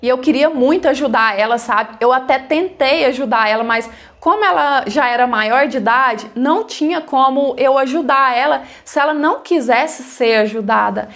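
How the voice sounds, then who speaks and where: Woman, high voice; casual first-person storyteller, chatty with fillers. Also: moderate pace, few pauses, a bit bright. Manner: plain conversational retelling with many fillers.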